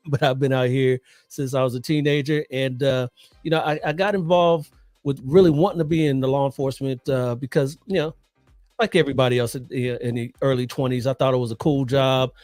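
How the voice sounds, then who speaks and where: A middle-aged man from Ohio, a guest on a podcast, chatting in a relaxed, friendly way with lots of "you know". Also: medium pitch, fairly quick, dry recording, faint music behind. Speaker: podcast guest, police investigator. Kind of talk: casual interview chat.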